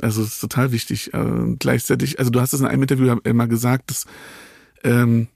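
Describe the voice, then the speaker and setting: A man's voice: mid-range voice, little pitch movement, quick pace, creaky, darkish tone, no room sound, studio quality. A man hosting a podcast interview, talking casually and hesitantly with many fillers and restarts. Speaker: podcast host.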